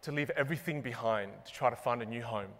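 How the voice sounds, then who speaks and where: A young man giving a comedic keynote on a large conference stage, animated and self-mocking, landing punchline after punchline. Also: mid-range voice, fast talker. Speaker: keynote speaker and magician. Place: large conference stage before a live audience. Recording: long reverb of a big hall.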